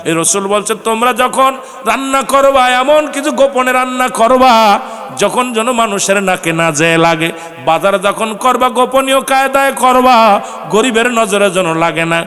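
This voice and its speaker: A man's voice: very high-pitched, moderate pace, bright, forceful tone, in a large hall. A man preaching an Islamic sermon with a Bangladeshi Bengali accent, in a sing-song cadence that rises to fervent calls.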